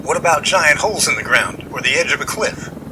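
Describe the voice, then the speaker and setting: A man plays a nervy, wisecracking passenger in a homemade radio drama. His voice is fairly high and swings up and down with folksy sarcasm and complaint. A loud engine drone runs behind him. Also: animated, fairly quick, background noise, natural voice. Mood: worried. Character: impatient, wisecracking male passenger, nervous and folksy. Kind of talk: amateur radio drama acting.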